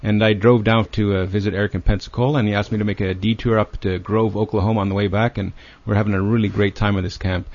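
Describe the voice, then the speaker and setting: A man's voice: lowish voice, little pitch movement, quick pace, a little mellow. A man from Canada, speaking as a guest in a studio conversation in an earnest, persuasive way. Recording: dry, dull lo-fi studio sound.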